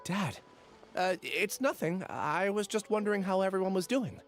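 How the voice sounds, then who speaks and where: A man voicing a gentle, apologetic young scholar in an anime-style video game, polite and hesitant. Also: sits high, expressive, normal speed, faint music behind. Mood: evasive.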